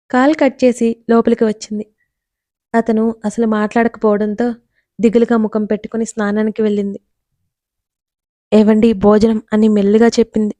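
A woman narrating a romance story with an even, measured reading. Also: mid-range voice, no room sound.

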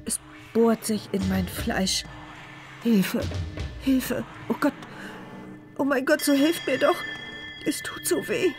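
A woman's voice: mid-range voice, measured pace, long pauses, close to an everyday voice. An actress voicing the wounded, frightened narrator and heroine of a radio play, speaking her intense inner monologue over music. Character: injured woman narrator, frightened and desperate. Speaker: first-person narrator and heroine.

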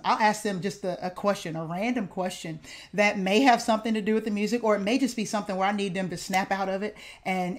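A woman high school band director explaining her classroom methods in an earnest way, speaking on a video call from a home office. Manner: earnest, explanatory, with frequent fillers. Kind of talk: video call panel discussion. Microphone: video call webcam.

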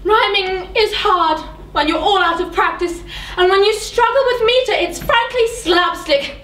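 A woman's voice: very high voice, normal speed, a bit bright. A woman playing a flustered fairy godmother who declaims in rhyme in a comic amateur pantomime. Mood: playful, singsong. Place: theatre stage, recorded from far off. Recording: echoey stage, distant camera mic.

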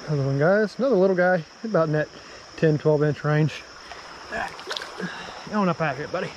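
A man talking casually to viewers as he fishes a creek outdoors, excited and chatty. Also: on the high side, moderate pace, a little hiss or hum, low-quality recording. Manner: excited, talks to viewers while fishing. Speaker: fishing vlogger.

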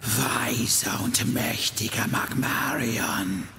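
A man's voice: mid-range voice, extremely slow, gravelly. A man playing a whispering, scheming soul collector. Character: sinister male soul collector, cunning and ruthless. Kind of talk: amateur audio drama acting.

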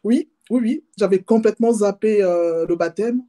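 A woman with a Congolese accent speaks as a guest in a casual interview. Her voice is soft-edged and mellow. She explains her background informally, pausing to find words and correcting herself. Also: mid-range voice. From Democratic Republic of the Congo. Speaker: interview guest, handbag maker. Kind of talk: casual autobiographical interview talk.

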